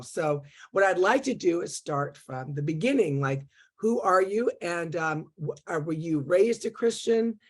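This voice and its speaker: A woman hosting a Christian interview show, upbeat and chatty with many fillers. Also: low voice. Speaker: host.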